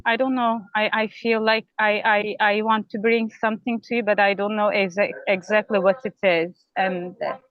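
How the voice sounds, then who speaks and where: A tired, exhausted woman calling in to a spiritual teacher over a bad connection, speaking haltingly and apologetically and repeating her words. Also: medium pitch, little pitch movement, no echo. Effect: bad call connection. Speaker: caller asking a spiritual teacher. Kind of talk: hesitant questions on a call. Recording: dull, dry call line.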